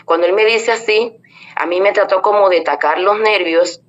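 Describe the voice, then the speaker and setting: A woman's voice: medium pitch, moderate pace. A woman giving an earnest spoken religious testimony, addressing her listeners as brothers and sisters and retelling conversations in quoted speech. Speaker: church member giving testimony. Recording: dull lo-fi audio with faint noise.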